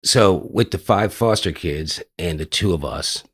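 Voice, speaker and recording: A man's voice: low voice, unhurried, a bit bright, husky, no room sound. An older American man telling his life story as a podcast guest, rambling loosely with lots of fillers and the odd swear word. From United States. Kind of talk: casual interview storytelling.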